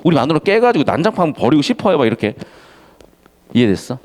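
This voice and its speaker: A man teaching a literature class in a casual, lively way, acting out the characters' lines as he explains the story. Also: fairly high pitch. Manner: casual, animated, acts out characters' lines in quick asides.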